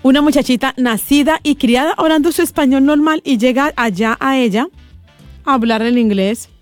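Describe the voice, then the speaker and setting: A woman casually retelling a viral clip, acting out the voices she quotes with animated storytelling. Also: high voice, moderate pace, soft background music.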